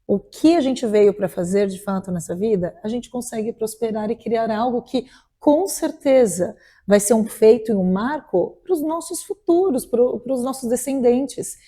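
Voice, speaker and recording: A woman's voice: a little high, lively intonation, a little slow, mellow. A woman hosting an interview, chatty and affirming. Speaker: host. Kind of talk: casual interview talk.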